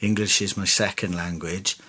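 A man's voice: sits low, fairly even intonation, moderate pace, bright, forceful tone, breathy edge. A middle-aged Welshman, a radio presenter with Welsh as his first language, chatting in an interview in a self-deprecating way and laughing often. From Wales. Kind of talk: casual interview chat.

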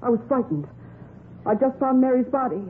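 A woman playing a defiant, sharp-tongued young secretary under suspicion in a 1940s radio crime drama. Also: high voice, expressive, normal speed. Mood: cool, guarded. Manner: curt, defiant. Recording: muffled, scratchy 1940s radio recording.

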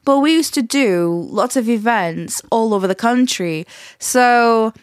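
A woman with a Portuguese accent touched by a Yorkshire twang hosts a casual podcast on her own. She rambles and restarts in an easy, chatty way at an unhurried pace. The sound is close and dry, with no room around her. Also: on the high side, expressive, dry recording. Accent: Portuguese, with a slight Yorkshire twang. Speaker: podcast host. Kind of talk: casual solo podcast monologue.

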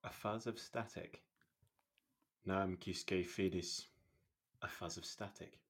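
A man speaks in a low, husky register. He sounds casual and plain, as someone would when chatting or reading out short cues at a table read. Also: steady tone, slow.

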